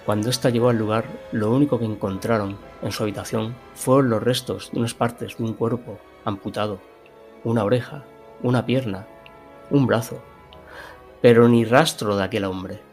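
A man's voice: lowish voice, steady tone, normal speed, darkish tone, faint music behind, lightly acted. A man playing a sinister narrator of a macabre horror tale, dramatic and ominous. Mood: grim, dramatic.

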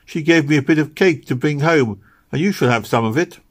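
Man voicing an earnest little girl, pitched high. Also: a little fast, breathy edge. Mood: earnest, eager. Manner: simple, childlike, insistent speech. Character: little girl Meg, earnest, hopeful, caring.

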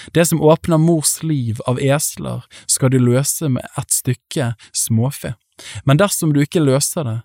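A man doing a scripted Bible reading in a measured, even manner, slowing on solemn phrases. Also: medium pitch, no echo, studio quality. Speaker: Bible reader.

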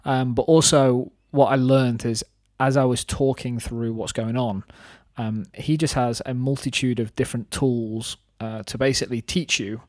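A man's voice: mid-range voice, fairly even intonation, moderate pace, hardly any pauses, no room sound, clean studio sound. A man of thirty chatting casually on a podcast in a reflective, rambling way, explaining his own thinking. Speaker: podcast host and business owner.

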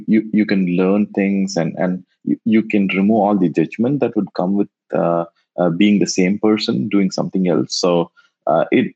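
A man whose first language is Tamil, answering interview questions in a halting way and often repeating words as he thinks. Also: low-pitched, dark tone, slightly rough. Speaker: guest, NFT investor. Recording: dull lo-fi sound.

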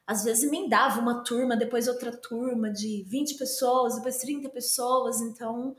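A woman's voice: on the high side, fairly even intonation, moderate pace, roomy sound. A woman hosting an interview, asking friendly questions in a casual chat. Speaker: interviewer host.

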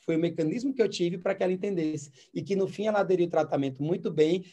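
A man with a mellow, somewhat high voice talks quickly as a doctor. He tells a clinic story conversationally and voices both sides of the dialogue. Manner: recounts cases and acts out the dialogue.

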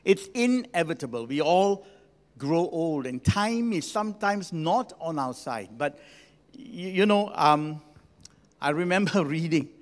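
A man of sixty preaching as a senior pastor in a conversational, gently humorous way, with emphatic pauses. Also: a little high, expressive. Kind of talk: sermon to a congregation. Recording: long hall reverb.

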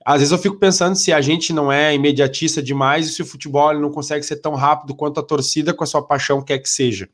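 A man's voice: a little high, steady tone, quick pace, hardly any pauses, a bit bright. Congested nasal man talking sports. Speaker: sports commentator. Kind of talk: casual sports talk.

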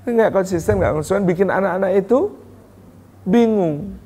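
Lively preacher in an echoey hall. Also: male voice, sits high, normal speed, breathy edge. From Yogyakarta, Indonesia. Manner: lively, acts out parent and child dialogues. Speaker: Islamic preacher. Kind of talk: religious parenting talk to an audience. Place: hotel function room.

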